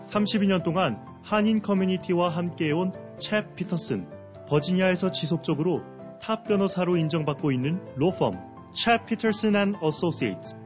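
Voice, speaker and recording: A man's voice: sits high, moderate pace. Male announcer reading a formal ad. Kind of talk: radio commercial read. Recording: lo-fi radio ad over music.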